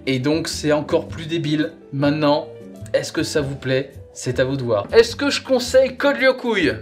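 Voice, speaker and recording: A man's voice: a little high, lively intonation, normal speed, soft background music. A man hosting a review show, chatting casually as he presents and gives his opinion. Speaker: host reviewing audio sagas.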